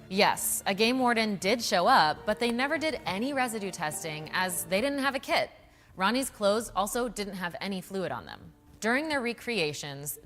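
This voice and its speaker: A woman's voice: mid-range voice, fairly bright tone, long reverb tail. A woman hosting and narrating a scripted true crime documentary in a conversational way, with emphatic asides. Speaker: true crime show host. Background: background music.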